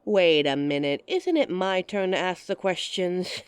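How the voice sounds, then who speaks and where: A woman's voice: fairly low pitch, expressive, a little slow, clean tone, dry recording. A woman performing a scripted roleplay monologue to a listener, playful and giggly, with a teasing manner.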